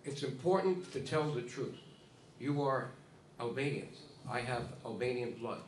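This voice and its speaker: A man's voice: mid-range voice, a little slow. Emphatic male ceremony speaker, off the cuff, recorded from afar in a roomy hall with faint hiss. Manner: emphatic, repeats himself, talks to the audience. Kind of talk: informal speech at a ceremony. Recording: echoey hall, distant mic, faint hiss.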